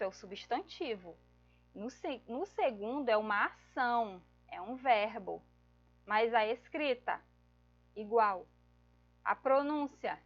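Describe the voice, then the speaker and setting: A woman's voice: a little high, muffled recording. A woman teacher giving a grammar lesson, explaining patiently step by step and checking in with her listeners.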